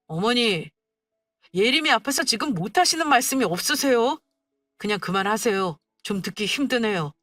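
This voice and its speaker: A woman's voice: a little high, lively intonation, moderate pace, fairly bright tone, no echo, faint music behind. A woman voicing an overworked grown son confronting his mother, firm and exasperated, in a dramatized story reading.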